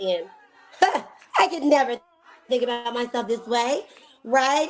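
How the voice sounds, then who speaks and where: Against noticeable background noise, a woman with an American accent sounds animated, using ordinary pitch variation. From Texas, Dallas. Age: 30s. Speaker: media personality. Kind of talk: interview.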